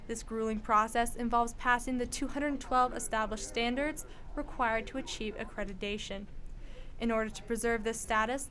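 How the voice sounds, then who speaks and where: A woman's voice: on the high side, fairly bright tone. A woman reporter reading scripted narration for a local news feature. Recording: clear background noise, room ambience.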